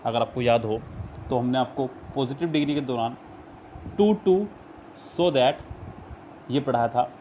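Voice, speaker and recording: A man with an Indian accent, a Hindi speaker, tutoring for an English exam over a screen recording, patiently explaining and reading English sentences slowly. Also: mid-range voice, mellow, slight background noise. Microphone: screen recorder mic.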